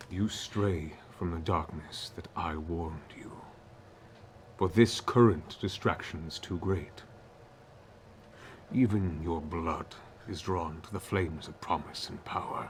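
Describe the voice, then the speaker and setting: Doing a put-on character voice, a man rumbles in a very deep, low pitch and calm tone, speaking fairly slowly with long, frequent pauses and big swings in loudness over clear background noise. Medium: actual play. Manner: calm, grave, cryptic.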